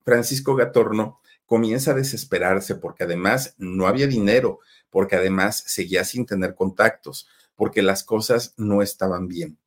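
A man with a Mexican accent hosts a gossip story, chatting directly to his listeners and using lots of fillers. His voice is fairly low, his pace moderate, and he pauses only a little.

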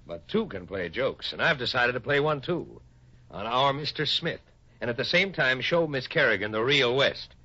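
A man's voice: medium pitch, animated, normal speed, bright, forceful tone. An actor playing a shrewd, easygoing cowboy foreman with a folksy drawl in a 1950s radio Western. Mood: calm, sly. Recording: dull lo-fi old radio recording.

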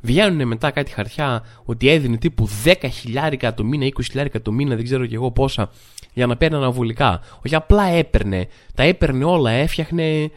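Animated man telling comic stories. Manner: animated, acts out other people's lines with jumps in pitch; chatty, full of filler phrases. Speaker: podcast host. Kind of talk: comic storytelling monologue.

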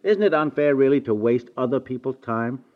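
A dull, band-limited 1950s radio recording carries an exasperated American husband acted by a man. His pitch swings freely as he lectures and scolds with emphasis. He is a stubborn businessman with affection underneath, played in domestic radio comedy style. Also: expressive, fairly quick, close to an everyday voice. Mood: lecturing. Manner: scolding, emphatic, stammers when flustered.

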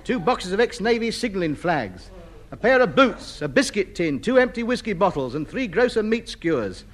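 A man's voice: high voice, very animated, moderate pace. An actor playing a pompous, easily ruffled man buying up junk in a 1950s radio comedy. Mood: indignant. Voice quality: pompous, indignant.

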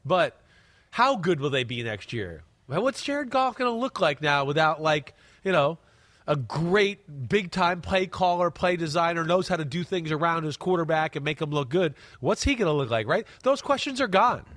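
A man's voice: on the high side, lively intonation, normal speed, fairly bright tone, no room sound. A man with a stuffy, congested voice, co-hosting a casual football chat and talking emphatically, tagging "right?" onto his points. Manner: emphatic, repeats words, asks "right?". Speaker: podcast co-host. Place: studio desk close to co-host.

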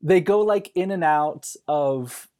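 A man talking casually about films as a podcast guest, rambling and halting in an amused way. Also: on the high side, mellow. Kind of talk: casual film chat.

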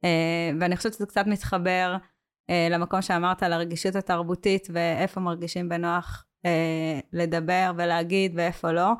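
A woman's voice: on the low side, little pitch movement, clean tone. A woman speaking as a guest in a podcast interview, talking hesitantly with many filler sounds and restarts. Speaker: community worker, guest.

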